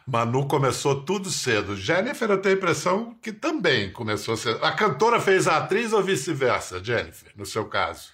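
Teasing talk show host guy, bright and bouncy. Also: fairly high pitch, big pitch swings, a little fast, hardly any pauses. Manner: playful, laughing, teasing.

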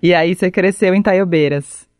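A woman's voice: fairly low pitch, moderate pace, darkish tone, no room sound, clean studio sound. A woman, hosting a music interview show, who asks short questions and tells her own stories in a chatty way. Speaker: interviewer and host. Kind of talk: radio interview.

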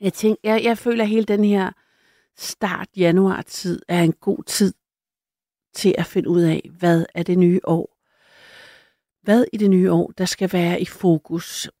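A woman's voice: fairly low pitch, steady tone, dark tone, no echo, clean studio sound. A woman hosting a late-night call-in radio show, chatty and a little hesitant, laughing easily with callers.

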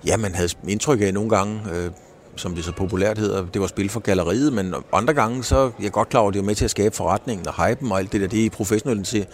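Mand, der stiller forsigtige spørgsmål. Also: male voice, lowish voice, a little hiss or hum. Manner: careful, hedged questioning with many restarts. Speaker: podcast interviewer. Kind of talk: conversational interview.

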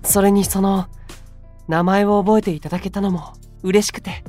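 A man's voice: sits high, steady tone, moderate pace, a little mellow, faint music behind, natural voice. A man playing a timid, earnest young man in a voice drama, polite, deferential and hesitant. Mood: shy, sincere. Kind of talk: Japanese voice drama acting.

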